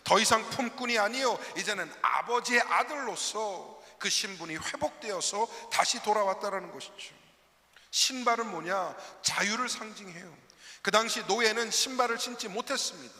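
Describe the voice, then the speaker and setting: A man preaching a sermon in a church, his fairly high voice cutting through with a very bright, sharp edge. He tells the story in a preacher's cadence and turns often to ask his congregation questions. A long reverb trails each phrase through the hall. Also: normal speed. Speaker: pastor. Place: church sanctuary.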